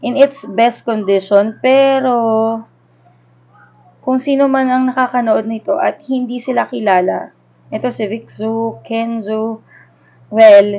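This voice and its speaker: Her voice is a little high with a darkish tone as this Filipino woman in her thirties unboxes a collectible on her vlog. She mixes Tagalog and English in a casual, conversational, nostalgic way. The audio sounds dull and lo-fi.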